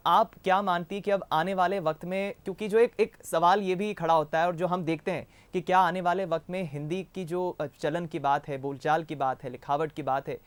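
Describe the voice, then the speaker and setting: A man hosting a news show, leading a formal studio discussion with measured speech and some restarts. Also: high-pitched, clean tone, dry recording.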